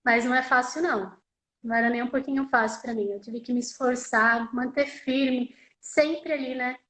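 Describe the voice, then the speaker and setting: A woman with a voice on the high side interprets live, telling a deaf signer's personal story as "I" in a conversational way. Tag questions and repeated phrases recur often, and the audio is poor and echoey.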